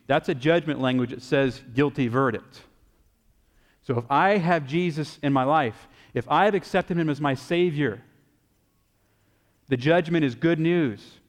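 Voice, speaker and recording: A man's voice: mid-range voice, in a large hall. A man preaching a sermon as pastor, earnest and pleading, repeating phrases for emphasis.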